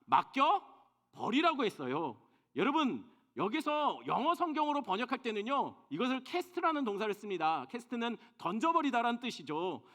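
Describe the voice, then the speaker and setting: A man's voice: extremely high pitch, sing-song, a little fast, a bit bright. A male senior pastor preaching a sermon in church, talking to the congregation and often putting questions to them. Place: church sanctuary.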